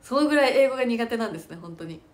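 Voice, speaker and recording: A woman's voice: a little high, expressive, racing. Chatty young woman, laughing often. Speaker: idol and stage actress. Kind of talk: casual chat.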